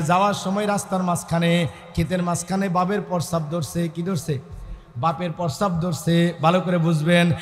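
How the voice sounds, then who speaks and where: A man preaching a fiery sermon, shouting and chanting in a sing-song way as he tells a story and calls out to the crowd. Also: high voice, in a large hall.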